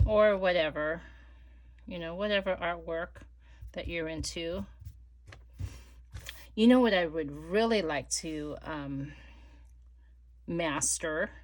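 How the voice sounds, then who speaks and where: A middle-aged woman who vlogs about crafting chats casually as she works, rambling with lots of fillers and dipping into soft murmurs. Her voice sits low.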